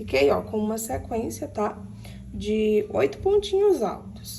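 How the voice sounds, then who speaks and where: Through audible room echo and noticeable background noise, this woman keeps a moderate pace. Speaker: crochet instructor. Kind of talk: tutorial.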